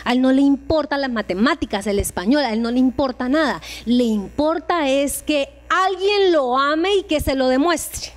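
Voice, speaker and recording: High-voiced Colombian woman giving a talk. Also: moderate pace, few pauses. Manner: addresses listeners directly with questions; acts out short dialogues in changed voices. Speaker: speaker giving a talk to tutors. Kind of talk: informal lecture on emotional support.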